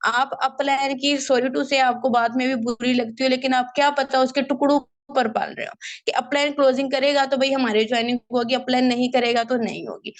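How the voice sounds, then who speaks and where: A young woman, running an online sales training over a video call, lively and coaxing, mixing in English phrases. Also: high voice. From Pakistan. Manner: lively and coaxing, mixes in English phrases, keeps asking "theek hai".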